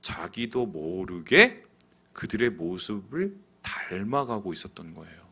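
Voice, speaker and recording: A middle-aged man preaching a sermon as pastor, lively and acting out quoted voices. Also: deep voice, a little slow, breathy edge.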